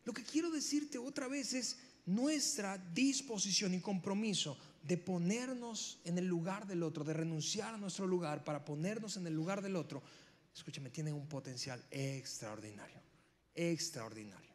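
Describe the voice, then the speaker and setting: A man's voice: high voice, normal speed. A man with a Mexican accent preaching a sermon, emphatic, repeating key words and speaking straight to the listener. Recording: long hall reverb.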